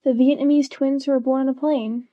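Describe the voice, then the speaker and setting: A woman's voice: high-pitched, fairly even intonation, fairly quick, no echo, lo-fi sound, close to an everyday voice. A woman playing a friendly, insistent sixteen-year-old little sister in an audio drama. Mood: confident. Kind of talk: hobby audio drama acting.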